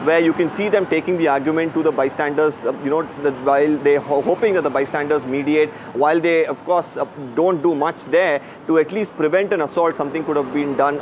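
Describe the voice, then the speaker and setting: An Indian-accented man reports live news in a slightly high voice. He talks very quickly, stumbling over fillers as he goes. Clear street noise surrounds him. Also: highs cut off. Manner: halting, filler-heavy delivery. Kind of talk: live field report, unscripted. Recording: loud outdoor street and traffic noise.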